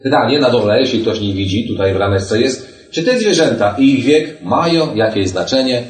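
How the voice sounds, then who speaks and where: A man's voice: mid-range voice, lively intonation, moderate pace. Male Bible study teacher, reads scripture then explains it casually and asks rhetorical questions, heard from a distance in an echoey room. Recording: echoey room, mic at a distance, faint noise.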